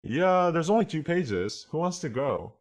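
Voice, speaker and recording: A man's voice: fairly high pitch, big pitch swings, measured pace. A man giving a casual online language lesson as the teacher, thinking aloud and often checking that listeners follow.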